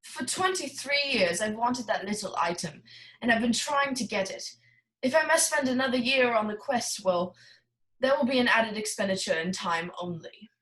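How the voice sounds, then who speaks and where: A woman's voice: a little high, expressive, normal speed, fairly bright tone, poor audio. A woman playing a genteel, scheming male crime boss with pompous, formal, theatrical speech in a noir radio play. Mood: resolute.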